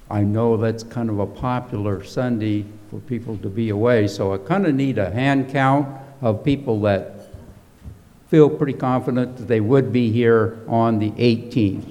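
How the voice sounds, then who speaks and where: A man stands up to make a church announcement in a plain-spoken way with a dry bit of humor. His voice sits on the low side. It carries through the sanctuary with a long reverb. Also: darkish tone.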